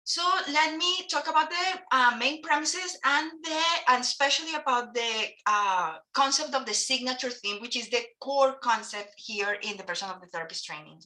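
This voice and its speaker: A woman's voice: high voice, moderate pace, few pauses, pushed and bright. A woman from Colombia with a Colombian Spanish accent, Spanish her first language, giving a lecture as a family therapist and hesitating with frequent fillers and restarts. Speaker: couple and family therapist presenting a training. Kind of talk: lecture presentation to an audience.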